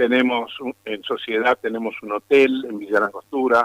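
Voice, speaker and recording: Speaking at a fairly slow pace, a man with a medium pitch delivers flat, monotone intonation in a bright, sharp tone, with a dry, close sound and no echo. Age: 80s+. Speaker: voice actor. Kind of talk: interview.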